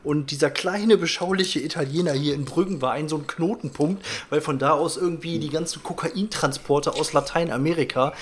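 Ein Mann plaudert gelassen in einer Podcastrunde und setzt öfter neu an. Seine Stimme ist etwas höher, unterlegt von leichtem Rauschen. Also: male voice, fairly high pitch, brisk, few pauses, slight background noise. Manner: relaxed, hesitant narration with restarts. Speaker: podcast co-host. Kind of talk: casual storytelling chat.

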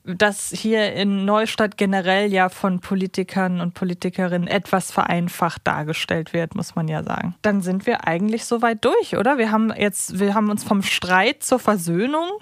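A woman speaks as a podcast co-host in casual, reflective discussion. Her voice is of medium pitch, conversational in delivery, and recorded dry and close to the microphone. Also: normal speed, few pauses, no room sound. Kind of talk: casual discussion and commentary on an audio drama series.

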